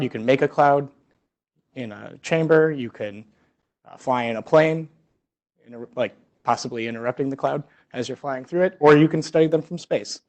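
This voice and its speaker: A man's voice: fairly high pitch, a little mellow. A man presenting research at an academic seminar in a conversational, explanatory way, often rewording his phrases as he thinks aloud. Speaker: research scientist giving a seminar talk.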